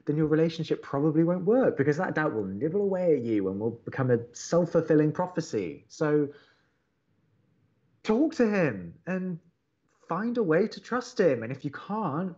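A man's voice: a little high, darkish tone, highs cut off. A man playing a sardonic, understated young college radio co-host in an audio drama. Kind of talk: naturalistic audio drama acting.

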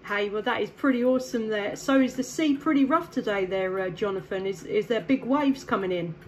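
Talking fairly quickly in a medium-pitched voice, a south east English woman on CB radio keeps the casual chat friendly and cheerful, ending her turns with "back to you." There is background noise behind her.

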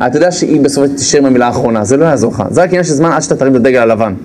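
A man with a medium-pitched voice gives a humorous lecture on marriage before a live audience, which can be heard in the background. He's animated, acting out spouses' lines in quick put-on voices and repeating key phrases for emphasis. The recording is low quality with slight background noise.

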